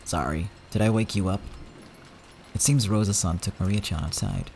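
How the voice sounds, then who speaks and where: Dude reading as a kind worried husband, low and soft. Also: male voice, normal speed, a little hiss or hum. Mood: concerned. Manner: polite, soft-spoken. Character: gentle caring middle-aged husband.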